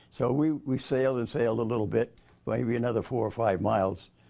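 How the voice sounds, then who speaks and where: With an American accent, a man speaks at a fairly quick pace in a dark, mellow tone. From Albany, New York. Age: 80s+. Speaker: World War II veteran. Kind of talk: interview answer.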